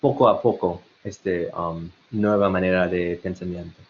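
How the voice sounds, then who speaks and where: A man's voice: sits low, fairly even intonation, measured pace, slight background noise. A man with an American-tinged Spanish accent giving an online webinar presentation, hesitant with many fillers and restarts. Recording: dull lo-fi web call audio.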